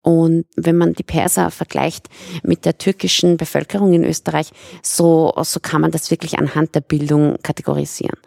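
A woman's voice: low-pitched, level tone, normal speed, gravelly, few pauses, dark tone, no room sound, clean studio sound. A young woman from Iran, a guest in a conversational interview, explaining at length with restarts.

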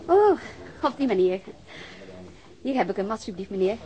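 A woman's voice: medium pitch, very animated, normal speed, dull audio, close to an everyday voice. A woman playing a gushing, deferential clerk in a Dutch radio drama, very impressed by nobility. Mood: fawning.

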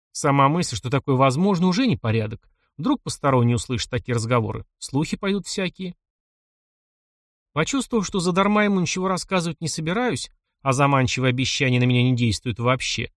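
A man's voice: medium pitch, no room sound, studio quality. A man reading a first-person audiobook in a wry, ironic storytelling manner. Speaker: audiobook narrator.

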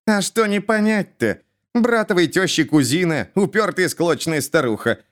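A man's voice: high voice, lively intonation, normal speed, voice pushed up. A man doing a mad hissing jester. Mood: mocking. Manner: jumpy, hissing, bursts into shouts. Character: mad male jester, erratic, hissing, shouting.

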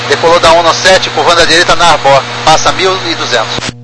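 Higher-voiced male pilot on noisy radio. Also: fairly even intonation, fast. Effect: two-way radio transmission. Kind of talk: procedural aviation radio readbacks.

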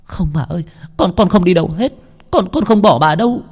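A man's voice: sits high, animated, brisk, darkish tone, slightly rough, pitched above the performer's own voice, full character voice. A man voicing a tearful young woman who begs to stay with her grandmother, sobbing as she speaks. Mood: tearful pleading.

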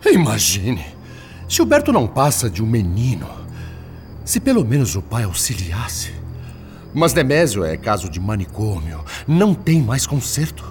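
A man's voice: fairly low pitch, wildly swooping pitch, measured pace, soft background music. An indignant old grandfather spirit. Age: older. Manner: agitated, exclamatory, bitter. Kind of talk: radio drama acting.

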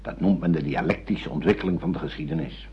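A man's voice: a bass voice, quick pace, slightly rough, heavily acted. An actor playing a stern, patient old father who questions and lectures insistently in a radio drama. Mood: lecturing. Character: stern, patient old father re-educating his grown son. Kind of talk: Dutch radio drama acting. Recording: dull, muffled radio play recording.

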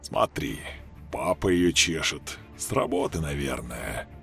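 A man voicing a mocking, scheming parasite voice that lives in a young man's head, speaking low and coarse. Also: lively intonation, measured pace, vocal fry, fairly bright tone, soft background music, exaggerated voice. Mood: sneering.

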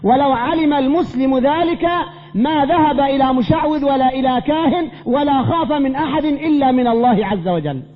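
A very high-pitched man teaches a religious class, firing questions at his students and repeating them until someone answers. His preaching leans on emphatic repeated phrases. The recording is dull and lo-fi, with a long hall reverb and a faint hum. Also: fairly quick. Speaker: sheikh teaching a creed class.

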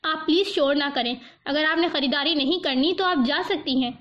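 A woman voicing a flustered male shop manager who speaks in a hurried, apologetic way, on a dull lo-fi recording. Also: high-pitched, close to an everyday voice. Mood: hurried polite.

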